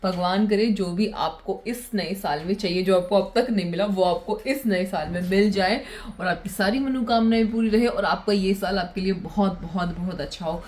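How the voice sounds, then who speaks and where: A woman's voice: mid-range voice, normal speed, hardly any pauses, a little mellow. A young woman, chatting casually to viewers in a home vlog, repeating words for emphasis. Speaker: vlogger. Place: home, indoors.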